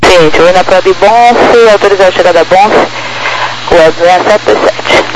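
A man's voice: sits high, normal speed, very noisy. A man working as an approach radar controller, giving terse procedural instructions over aviation radio. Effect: aviation radio transmission. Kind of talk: air traffic radio phraseology.

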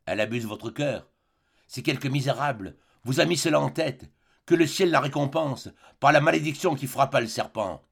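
A man's voice: mid-range voice, normal speed, gravelly, a bit bright, breathy edge. A man reading a play aloud, voicing a loyal female servant who pleads earnestly.

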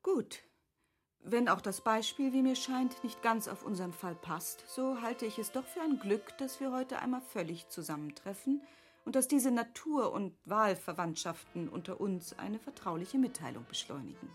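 An actress playing a composed, resolute lady of the manor in a radio drama, formal and articulate in measured phrases. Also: mid-range voice, animated, faint music behind, natural voice. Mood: composed, confiding. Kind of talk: classic German radio drama acting.

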